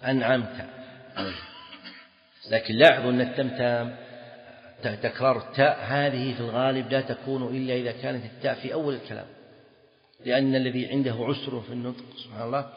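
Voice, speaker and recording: An Islamic scholar teaches fiqh in a classroom lecture on a text, speaking fast in a medium-pitched, fairly flat voice with long pauses. He explains, quizzes his students, and repeats phrases. The dull lo-fi recording was made in a reverberant hall.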